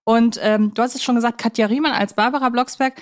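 A woman's voice: on the high side, fairly even intonation, fast talker. An adult woman co-hosting a podcast, talking casually about films in a colloquial, playfully chatty way. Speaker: podcast co-host. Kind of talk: casual film discussion.

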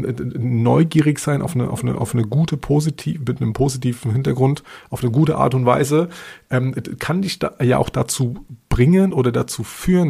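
A man's voice: medium pitch, creaky, a little mellow, breathy edge. A man co-hosting a podcast in casual, slangy talk, often stammering over the starts of his words. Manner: informal, slangy, stammering repeated word starts. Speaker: podcast co-host.

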